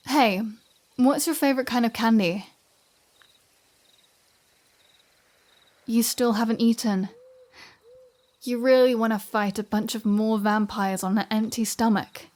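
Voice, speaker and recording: A woman's voice: on the high side, a little mellow. Sardonic flirty vampire woman, acted by a woman. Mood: teasing, casual. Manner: sarcastic, foul-mouthed, breezy banter. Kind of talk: scripted ASMR roleplay audio drama.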